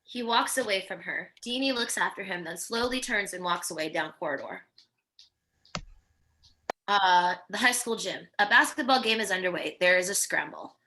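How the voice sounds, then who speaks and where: A woman with a bright, clear-edged voice at a medium pitch reads out screenplay stage directions. Her delivery is scripted narration for a table read. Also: expressive, moderate pace, a little hiss or hum.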